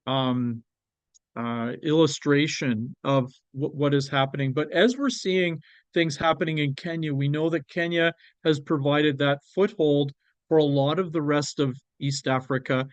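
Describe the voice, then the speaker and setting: Canadian guy giving a webinar talk, bit higher voice, lots of ums, dry sound. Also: dry recording, highs cut off. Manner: hesitant, with many ums and restarts. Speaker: presenter on export markets. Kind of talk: webinar presentation with a guest.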